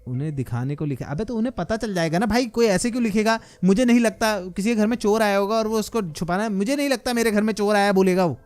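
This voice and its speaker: A man hosting a casual Minecraft role-play video, talking with energetic, slangy banter and teasing insults. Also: high-pitched, fast, hardly any pauses, dry recording, faint music behind. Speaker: gaming YouTuber host.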